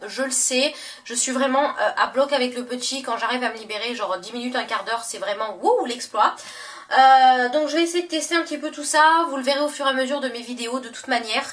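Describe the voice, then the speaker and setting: A young woman with a fairly high voice gushes over her beauty products in a relaxed, chatty vlog. She trails into fillers and corrects herself often. Her voice sounds a little distant from the camera mic. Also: brisk. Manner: chatty and gushing, many fillers and self-corrections. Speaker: beauty vlogger. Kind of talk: casual makeup haul vlog.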